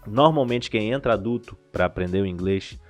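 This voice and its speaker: A man's voice: on the low side, fairly quick, faint music behind. A Brazilian man, a language school director, explaining things in a casual podcast interview, restarting his sentences often. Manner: animated explainer with frequent restarts.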